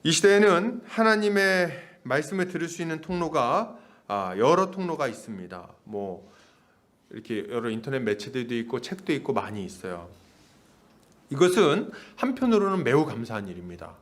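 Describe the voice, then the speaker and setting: A man's voice: mid-range voice, moderate pace. A man preaching a sermon as pastor, in a casual, conversational way, acting out the voices of people in his story and laughing now and then. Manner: animated, acts out voices of others in the story. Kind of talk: expository sermon. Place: church sanctuary.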